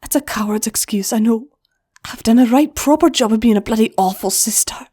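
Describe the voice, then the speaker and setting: A woman's voice: fairly high pitch, a little fast, close to an everyday voice. Brusque goblin big sister with a put-on lilt, voiced by a woman narrator. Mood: rueful. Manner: brusque, teasing, softens to whispers. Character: tough older-sister female goblin mare.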